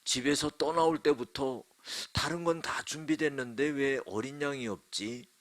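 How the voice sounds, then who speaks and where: A pastor putting on puzzled young Isaac. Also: male voice, mid-range voice, normal speed, fairly bright tone, dry recording, voice pushed up, natural voice. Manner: puzzled, earnest questioning. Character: young man Isaac questioning his father.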